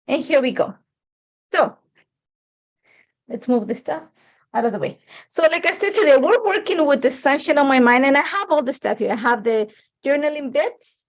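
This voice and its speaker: A woman's voice: sits high, highs cut off. A woman who is a native Spanish speaker, hosting a casual live craft tutorial in a chatty, informal, rambling way. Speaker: host of a craft livestream.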